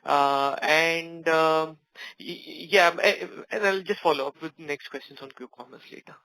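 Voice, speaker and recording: A man asking questions as a financial analyst on an earnings call, with halting starts. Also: a little high, steady tone, bright, forceful tone, clear, resonant tone, poor audio.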